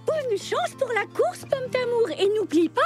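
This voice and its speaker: Assertive, squeaky-high cartoon girl. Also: lively intonation, measured pace. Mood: friendly. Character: assertive young girl, a twin sister, in a cartoon. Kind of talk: animated children's cartoon dub. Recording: music behind the voice.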